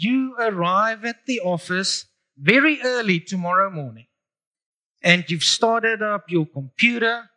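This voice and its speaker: A middle-aged South African preacher with a high, bright, forward voice. He speaks slowly and deliberately, drawing out his phrases. His South African English accent colours a warm-hearted sermon that moves between prayer and easy chat. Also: rough recording. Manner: prayerful, then chatty and upbeat to the congregation. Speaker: pastor. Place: church hall.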